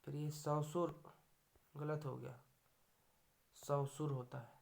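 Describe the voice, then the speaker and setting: A man's voice: a little high, flat delivery, takes it slowly, creaky, darkish tone. A man teaching a grammar lecture for exam students, going through correct and wrong spellings word by word.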